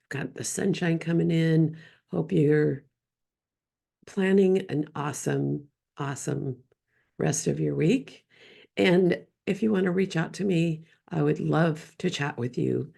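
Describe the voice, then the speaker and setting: A woman's voice: sits low, mellow. A woman hosting a casual solo podcast with a scratchy voice, rambling and losing her train of thought. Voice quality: gravelly. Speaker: podcast host and business coach.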